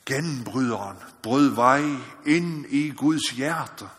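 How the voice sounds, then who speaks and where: Earnest preacher man in a reverberant hall. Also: medium pitch. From Faroe Islands. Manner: earnest, repeats "ikke også?", rises to loud exhortation. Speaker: missionary preacher. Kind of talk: sermon. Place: church or meeting hall.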